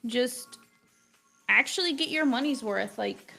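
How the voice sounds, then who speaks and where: A young woman with a fairly high, gravelly voice full of fry talks through a live drawing stream. English is not her first language, and she rambles in a loose, chatty way, filling her sentences with "like.". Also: expressive, measured pace, bright, forceful tone, faint music behind. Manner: chatty, rambling, heavy use of "like". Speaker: art teacher streaming live. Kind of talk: casual livestream chat while drawing.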